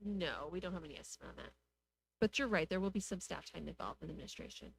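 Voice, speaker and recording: A woman speaking as a city official, giving measured, matter-of-fact explanations at a public meeting. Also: on the low side. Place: council meeting room. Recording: clear background noise and hum.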